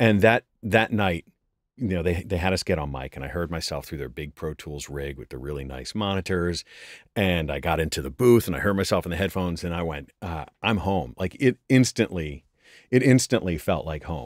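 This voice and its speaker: Vocal fry runs through lively intonation at a moderate pace. The sound is dry with no echo over a quiet background. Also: man, very deep, low pitch for a man. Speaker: voice actor, podcast guest. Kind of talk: interview answer. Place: booth.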